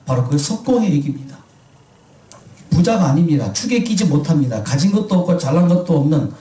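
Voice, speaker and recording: Pastor preaching in an echoey hall. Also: male voice, a little high, warm tone, far from the mic. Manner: asks the congregation questions and answers himself. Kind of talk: sermon.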